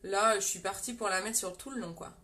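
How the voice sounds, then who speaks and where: A woman's voice: mid-range voice, a little fast, bright, forceful tone. A young French woman with a French accent, chatting with viewers as she hosts a live makeup tutorial. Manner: chatty, talks to viewers and reads comments. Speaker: makeup livestream host.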